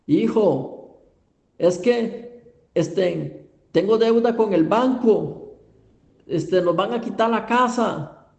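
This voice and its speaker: A man's voice: sits high, expressive, extremely slow, creaky, long pauses, a little mellow, reverberant, highs cut off, full character voice. A preacher doing a weepy, forgetful old mother. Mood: distressed. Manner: pleading, flustered. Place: church.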